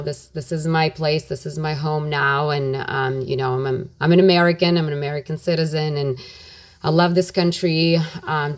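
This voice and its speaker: A low-pitched middle-aged woman from Ukraine speaks earnestly as a radio interview guest. She keeps dropping "you know" between her points, in an unhurried and sincere manner. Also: gravelly. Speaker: guest, nonprofit president. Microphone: phone or studio mic on radio.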